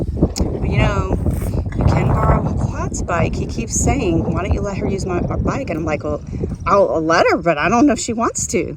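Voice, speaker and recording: Woman's voice with audible room echo and noticeable background noise. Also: moderate pace. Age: 50s. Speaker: family vlogger. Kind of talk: casual vlog chat. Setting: outdoors on a bike trail.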